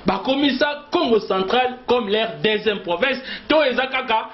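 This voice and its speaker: A man's voice: very high voice, normal speed. A male interview host who affirms his guest and asks long framing questions. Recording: echoey, dull, slight noise.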